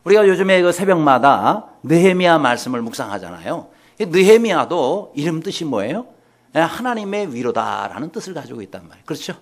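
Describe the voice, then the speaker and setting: A man's voice: on the high side, a little fast. A male pastor preaching a sermon in a church, telling stories and speaking directly to his congregation. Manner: animated storytelling, addresses the congregation directly. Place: church sanctuary.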